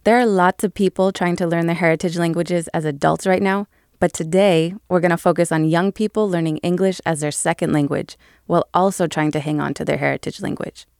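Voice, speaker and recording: A podcast producer, a woman, explaining a topic to the host in a clear, relaxed way. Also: fairly low pitch, no room sound, clean studio sound. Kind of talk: conversational explainer.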